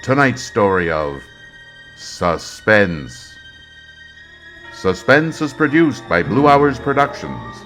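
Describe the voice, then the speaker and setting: Low-voiced male radio announcer over music. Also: very animated, slow, fairly bright tone. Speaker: radio drama announcer and host. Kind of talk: old-time radio announcer narration. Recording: music behind the voice.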